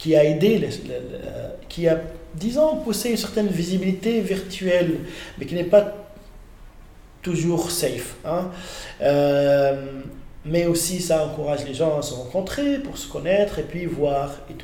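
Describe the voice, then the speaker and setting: A man with a high pitch and ordinary pitch variation speaks at a fairly slow pace, with long, frequent pauses and big swings in loudness. Audible room echo and noticeable background noise fill the recording. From Tunisia, Tunis Medina. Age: 40s. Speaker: LGBT rights activist. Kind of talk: interview. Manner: halting with frequent repetitions.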